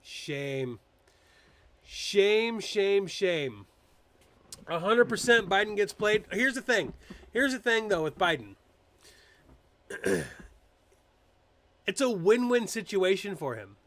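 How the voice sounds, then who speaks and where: A man's voice: sits high, slow, long pauses, no echo. A man hosting a casual political live stream, chatting loosely with fillers and restarts, poking fun at public figures. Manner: animated, mocking impressions, frequent fillers and restarts. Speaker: political commentary host.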